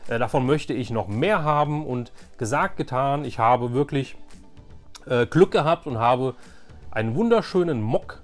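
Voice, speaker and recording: A man hosting a casual show-and-tell collecting vlog, enthusiastic and rambling, often repeating himself. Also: mid-range voice. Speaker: host of a toy collecting channel.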